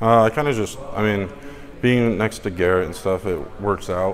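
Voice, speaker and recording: A man talks at a moderate pace with fairly even intonation. Noticeable background noise runs behind him. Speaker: college football player. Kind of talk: press interview. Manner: monotone; quiet, few words.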